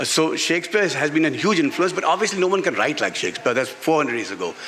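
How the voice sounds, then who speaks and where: A man at a very fast pace, fairly high-pitched, with lively intonation, audible room echo and noticeable background noise. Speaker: author. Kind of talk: book talk interview. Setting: outdoor festival stage with audience. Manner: loud; halting, repetitive.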